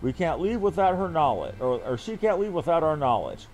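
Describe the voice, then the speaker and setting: Grave military captain for a fantasy game, played by a male streamer: formal, archaic, stern, lively intonation. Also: fairly high pitch, fairly quick. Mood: stern, intent. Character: earnest military captain briefing an ally on a spy hunt. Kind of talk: reading fantasy game dialogue aloud.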